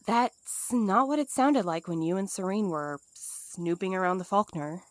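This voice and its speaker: A woman's voice: medium pitch, unhurried, dry recording, close to an everyday voice. A woman playing a cautious, challenging, no-nonsense character in an audio drama. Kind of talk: audio fiction drama acting.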